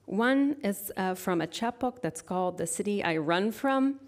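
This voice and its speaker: A middle-aged woman poet and lecturer, introducing her work haltingly before a slow, measured reading of her poems into a stage microphone. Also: mid-range voice, animated. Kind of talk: poetry reading with spoken introduction. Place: stage at a literary venue.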